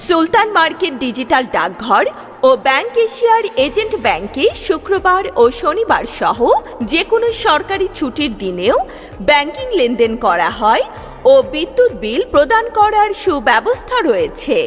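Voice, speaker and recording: A woman reading a street loudspeaker advertisement in a lively, declamatory announcing manner. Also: high-pitched, moderate pace. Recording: long reverb with music bed. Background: music.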